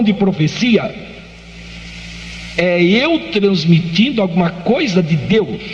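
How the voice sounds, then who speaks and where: A man's high-pitched voice is heard with audible room echo and noticeable background noise. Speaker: pastor. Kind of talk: lecture. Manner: slow.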